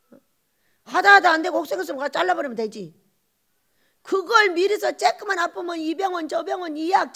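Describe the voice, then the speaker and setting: High, animated woman pastor preaching. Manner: animated preaching with rhetorical questions and laughing asides. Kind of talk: sermon.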